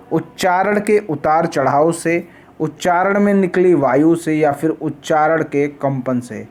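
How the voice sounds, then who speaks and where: A man with a fairly high voice runs an exam-practice quiz lesson. He reads each question aloud, repeats it and urges viewers to post their answers. His delivery is the steady, explanatory manner of a classroom teacher.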